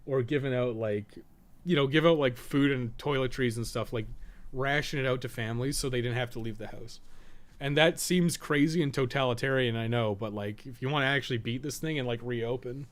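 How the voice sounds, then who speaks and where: A man's voice: medium pitch, a little fast. Casual, blunt man livestreaming. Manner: blunt, sweary, opinionated. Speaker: live streamer and podcast co-host. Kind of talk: casual livestream chat and gameplay commentary.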